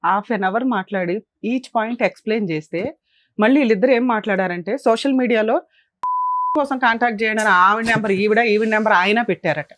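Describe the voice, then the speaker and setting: A woman's voice: medium pitch, brisk, fairly bright tone, dry recording. A woman advocate hosting a family dispute show, lecturing sternly and indignantly. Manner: scolding, emphatic, indignant.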